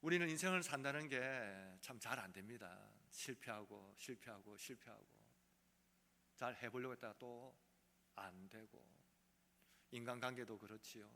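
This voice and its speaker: A man preaching a sermon as pastor, earnest, swinging from loud emphasis to soft quiet passages. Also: medium pitch, moderate pace. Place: church sanctuary. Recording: long hall reverb.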